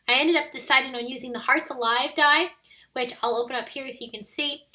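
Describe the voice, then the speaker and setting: A woman with a raspy, scratchy voice after being sick, recording a friendly step-by-step voiceover for a card-making tutorial. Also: sits high, fairly quick, bright, forceful tone. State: raspy voice from recent illness. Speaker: card-making video host.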